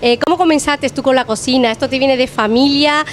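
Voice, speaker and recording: A woman with an Andalusian accent, a TV host, interviewing a chef in a kitchen with enthusiastic, flattering questions. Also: sits high, a little fast, a little hiss or hum. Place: restaurant kitchen, indoors. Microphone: handheld mic.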